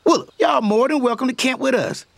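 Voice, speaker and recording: An actor playing a flashy, show-off cartoon uncle who brags and mocks in casual slang. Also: male voice, very high-pitched, fairly quick, creaky, noisy background. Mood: bragging. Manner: bragging, mocking, slangy. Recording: music bed behind the dialogue.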